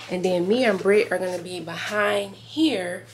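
Light background noise sits behind a woman talking. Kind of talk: casual vlog chat. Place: office. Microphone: phone near.

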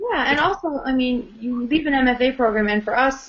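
A woman with a plain, everyday voice talks at a fairly quick pace with lively intonation. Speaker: writer and co-host. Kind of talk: casual chat over brunch.

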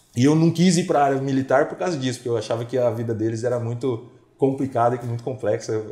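A man talks at a very fast pace with a dark, mellow tone and ordinary pitch variation. His voice is somewhat breathy, and the room echo is audible. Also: quiet background. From São Paulo city (Itaquera), Brazil; raised in Santa Bárbara d'Oeste; São Paulo, Brazil. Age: 40s. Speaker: public servant; guest. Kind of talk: interview; interview answer. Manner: halting, with many repetitions. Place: studio.

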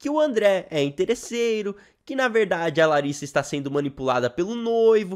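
Over a quiet background, a man speaks at a moderate pace in a Brazilian accent. His pitch swings very widely. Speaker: celebrity gossip YouTuber. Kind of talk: casual commentary to viewers. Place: home room. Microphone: studio mic.

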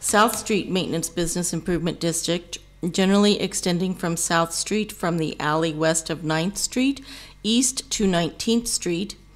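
A woman speaks at a moderate pace and fairly low pitch with ordinary pitch variation. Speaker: council clerk. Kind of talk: formal reading into the record. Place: hall. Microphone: podium.

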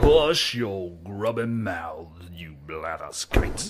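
Lively intonation marks a man's fairly low-pitched voice, delivered at a very slow pace. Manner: terse, gruff, menacing.

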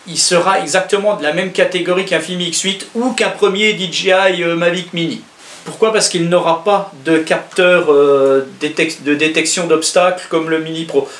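There is audible room echo as a man speaks at a high pitch. His pace is fairly slow and his intonation fairly even. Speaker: drone reviewer. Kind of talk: product review commentary. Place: home room.

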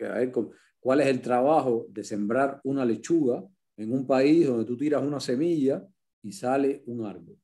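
A man's dark, mellow voice at medium pitch, fairly slow in pace, over a quiet background. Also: ordinary pitch variation. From Cuba. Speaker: political exile and writer. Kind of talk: interview. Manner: halting.

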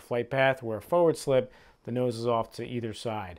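A man talks at a fairly quick pace with ordinary pitch variation against a quiet background. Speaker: pilot instructor. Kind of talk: tutorial. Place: home room.

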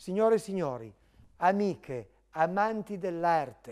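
A man with a high pitch and lively intonation is heard in a very clean recording with a silent background. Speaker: TV presenter for an auction house. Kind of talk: live TV art-sale presentation. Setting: live TV broadcast from the auction house showroom. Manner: effusive, gushing with superlatives.

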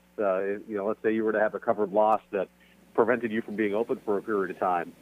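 A man speaks in a normal speaking voice, fairly low in pitch with fairly even intonation. The sound is dry, with no echo. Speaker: insurance agent. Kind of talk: radio interview. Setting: phone call. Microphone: phone line.

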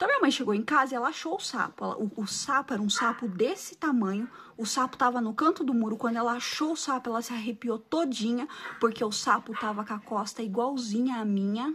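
With a Brazilian accent, a high-pitched woman talks at a very fast pace over light background noise. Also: ordinary pitch variation. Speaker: video creator sharing spiritual stories. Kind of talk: ghost story telling, first-person account of a family supernatural tale. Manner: hushed, suspenseful and earnest, with a solemn storytelling cadence; emotional, stressing vivid details. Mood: earnest, intimate storytelling. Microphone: phone near.

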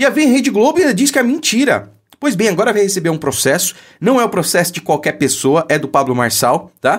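Speaking at a fairly quick pace, a man with a high-pitched voice makes very wide pitch swings. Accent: Brazilian. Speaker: political commentator. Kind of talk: angry political rant. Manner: indignant, sarcastic, emphatic; urgent, preachy, pleading for shares.

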